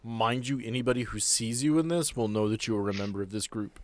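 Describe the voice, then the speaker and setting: A man's voice: fairly low pitch, quick pace, darkish tone, no room sound. A man speaking casually as game master of a tabletop roleplaying game, slipping between narration and sweary banter.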